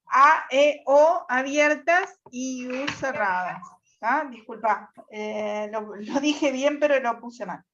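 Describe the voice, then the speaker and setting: A woman teacher explaining spelling rules to her class, often checking in with a quick "tá?". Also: high voice, lively intonation, a bit bright, lo-fi sound. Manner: checks understanding with frequent "¿tá?". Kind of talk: classroom lesson on Spanish accent rules.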